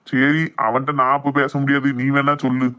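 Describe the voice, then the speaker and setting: A blunt middle-aged village father from a comic family skit speaks, voiced by a performer. He talks in grumbling, matter-of-fact lines with a mid-range pitch. The recording is dull and lo-fi. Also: little pitch movement, normal speed, close to an everyday voice.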